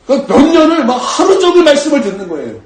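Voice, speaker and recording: A man preaching in a church with a high, lively voice that swings widely in pitch as he tells stories and acts out his prayers. He sounds set back from the mic in a roomy, echoing space. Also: fast talker, recorded from a distance. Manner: animated storytelling, acting out his own prayers. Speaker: pastor. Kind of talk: sermon. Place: church sanctuary.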